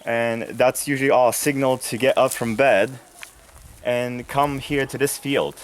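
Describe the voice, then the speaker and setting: A young man from Bulgaria speaking English with a Bulgarian accent, casually showing a visitor around outdoors, relaxed with many fillers and restarts. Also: medium pitch, a little slow. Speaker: volunteer giving a tour. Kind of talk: casual explanatory tour. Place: outdoors in a rural garden and field.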